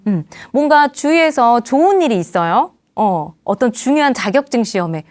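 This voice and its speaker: A woman's voice: fairly high pitch, normal speed, no room sound. A woman communication coach lecturing, acting out quoted dialogue in different voices. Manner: lively, acts out quoted dialogue in many voices. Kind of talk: lecture with acted examples.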